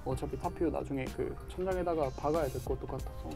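Higher-voiced young man explaining, music behind. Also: quick pace, creaky. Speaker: streaming setup technician. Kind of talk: casual technical explanation. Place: indoors, small studio room.

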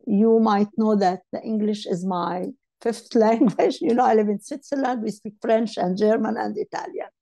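A woman in her sixties whose first language is Arabic, speaking on an online panel over a video call, halting with many fillers and restarts. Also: mid-range voice, fairly even intonation, creaky, dark tone. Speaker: panel speaker, legal advisor. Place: home room. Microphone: earphone headset on video call.

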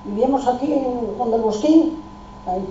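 An older woman tells her family's story emphatically, restarting her sentences and taking on each person's lines. Her voice is dark and mellow. The sound is dull and lo-fi, full of room echo and picked up from some distance. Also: a little high, normal speed, slight background noise. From Spain. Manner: emphatic, restarts often, acts out dialogue. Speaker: oral history participant. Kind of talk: recounting family memories. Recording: roomy, distant, dull lo-fi recording.

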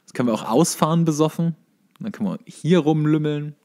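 A man's voice: on the high side, brisk, darkish tone. A young man co-hosting a podcast in casual banter, slipping in dry, joking asides. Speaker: podcast co-host.

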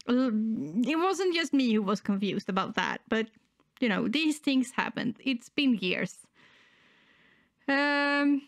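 A little high and recorded dry, the voice belongs to a middle-aged woman who is ill and faintly wheezy. She hosts a reaction channel, chatting to camera in a casual, hesitant way, close on a desktop microphone inside a small room at home.

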